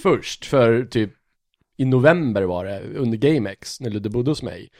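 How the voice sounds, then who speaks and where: A man's voice: mid-range voice, animated, darkish tone. Laughing, hesitant male podcaster. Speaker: podcast co-host. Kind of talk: casual chat.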